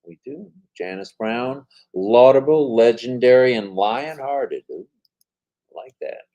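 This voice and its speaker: A man's voice: mid-range voice, expressive, measured pace, mellow, highs cut off. An older man co-hosting a casual live-stream chat, reading viewer comments aloud in an upbeat, chatty way.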